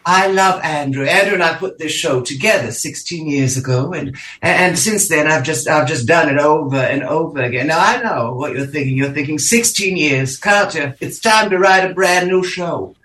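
A man's voice: a little high, moderate pace, hardly any pauses, sharp tone, reverberant. A man doing a vain campy countess diva. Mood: grand, campy. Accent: vaguely Eastern European, mid-Atlantic. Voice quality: theatrical, stammering, self-mocking. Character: vain aging countess, Eastern European drag diva. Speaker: guest performer. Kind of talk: campy in-character radio chat. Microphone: phone or remote line from home.

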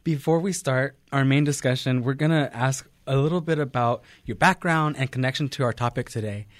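A man hosting a radio talk program with a measured, formal delivery. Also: medium pitch, no room sound. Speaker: radio host.

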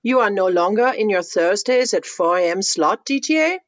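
A woman doing a deadpan artist. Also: medium pitch, normal speed, no echo, lightly acted. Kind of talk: radio comedy sketch.

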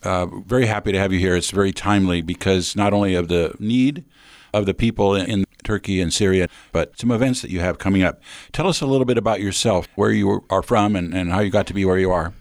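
Deep-voiced male radio interviewer. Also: dry recording, studio quality. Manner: measured, hesitant, with fillers.

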